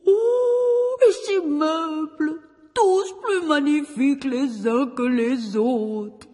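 A woman's voice: high voice, very slow, a little mellow, long reverb tail. A woman voicing a timid, kindly old fisherman in an audio storybook, with a pleading, wondering way of talking. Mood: awestruck. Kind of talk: storybook acting.

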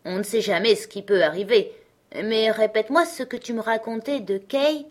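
A wild, knife-loving little robber girl, put on by a woman narrator in a storybook. She is bossy and teasing, with a high, forceful voice. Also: normal speed, lightly acted.

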